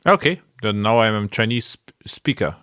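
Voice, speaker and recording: A man hosting a casual interview podcast, speaking in a halting way with non-native English phrasing. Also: on the low side, animated, fairly bright tone, clear, resonant tone, dry recording, studio quality. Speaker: podcast host.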